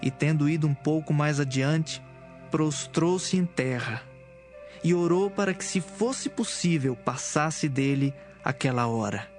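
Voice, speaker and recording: Casting: man as narrator for a Bible audio drama, lighter-pitched, measured storyteller, over background music. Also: a little mellow. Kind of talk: scripted narration of dramatised scripture.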